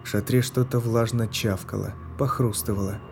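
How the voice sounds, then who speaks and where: A man giving scripted narration of a dark fantasy story in a measured, tense manner. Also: on the low side, fairly even intonation, creaky, faint music behind. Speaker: audiobook narrator.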